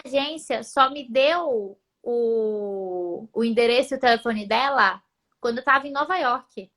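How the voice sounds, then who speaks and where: Young woman, casual guest. High, bright voice, an animated storyteller who climbs in pitch at the dramatic moments. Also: measured pace. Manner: animated storyteller, voice jumps up when retelling. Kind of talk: casual chat.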